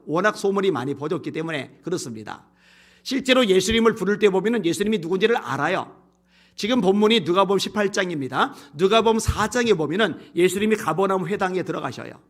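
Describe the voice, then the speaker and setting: A male pastor preaching a sermon, reading scripture aloud and explaining it in a plain, conversational way, with a strained voice from bronchial trouble. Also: high voice. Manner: reads scripture loudly, then explains in plain conversational asides.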